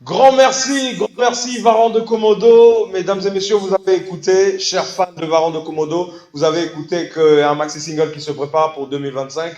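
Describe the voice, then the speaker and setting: High-voiced TV host. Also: male voice, steady tone, brisk, hardly any pauses, a little mellow, reverberant, lo-fi sound. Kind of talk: TV studio interview.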